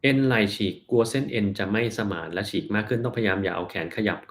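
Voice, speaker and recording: Low-voiced man answering health questions. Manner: relaxed, plain-spoken, slows down to explain terms. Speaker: doctor answering viewer questions. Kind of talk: live-stream Q&A, reading and answering questions.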